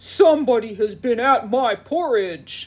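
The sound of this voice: A gruff put-on character voice, fairly high pitched, at a fairly slow pace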